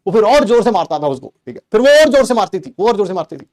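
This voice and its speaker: A man's voice: sits high, sing-song, racing, darkish tone. A middle-aged man from Delhi, a teacher telling a comic personal story to his class with exaggerated flair and rhetorical questions. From Delhi, India.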